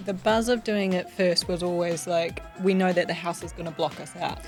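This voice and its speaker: A woman's voice: on the low side, fairly even intonation, normal speed. A woman co-hosting a building vlog, chatting in a playful, easy way. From New Zealand. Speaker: co-host, builder's partner. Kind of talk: casual vlog chat. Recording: faint music underneath.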